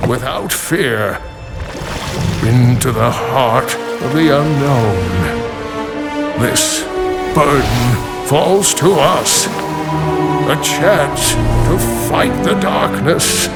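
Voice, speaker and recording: A noble male guardian narrates with a gravelly edge at a mid pitch. He is extremely slow and solemn, in epic fantasy game style, with loud music behind. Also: lively intonation. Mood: solemn resolve. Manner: solemn, portentous. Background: cinematic game music.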